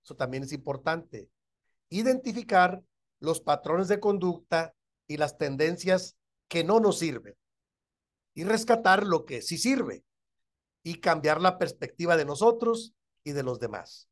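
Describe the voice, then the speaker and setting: A man's voice: on the high side, lively intonation, a little slow. A middle-aged man with a Mexican accent, a pastor teaching a church class who often asks his listeners whether they agree and chuckles as he talks.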